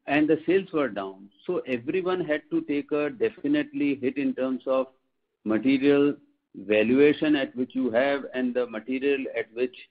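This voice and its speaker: A man with an Indian accent, a company executive answering questions on an earnings conference call in a measured, formal, explanatory way. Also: mid-range voice. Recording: muffled tinny phone line.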